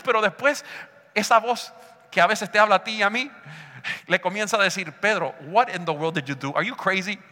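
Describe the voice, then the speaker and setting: A man's voice: very high voice, sharp tone. A man preaching an impassioned sermon, shifting between Spanish and English and leading the congregation in call-and-response. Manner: impassioned, calls the congregation to repeat after him. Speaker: pastor. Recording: long hall reverb.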